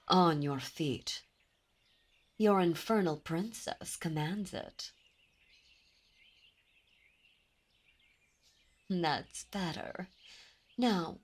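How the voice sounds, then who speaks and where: A haughty demon princess, voiced by a woman, teasing and imperious as she draws her listener close. Her voice sits a little low and moves at an unhurried, slow pace. Faint birdsong drifts in the background. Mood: commanding. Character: haughty seductive female demon princess, commanding. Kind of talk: ASMR roleplay audio.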